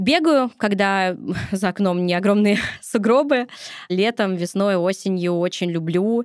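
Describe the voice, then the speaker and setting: A woman with a normal speaking voice talks at a fairly slow pace, her pitch medium and her loudness very even. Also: ordinary pitch variation. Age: 30s. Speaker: entrepreneur and influencer. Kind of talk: interview.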